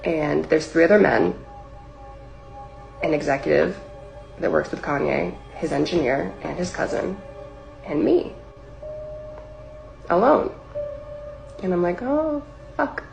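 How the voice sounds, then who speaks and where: A woman's voice: deep voice, slow, gravelly, long pauses, a little mellow, soft background music, low-quality recording. A young woman casually telling a personal story, rambling with lots of "like" fillers. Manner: rambling, heavy use of "like" fillers. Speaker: storyteller recounting a personal experience. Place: livestream or video setup.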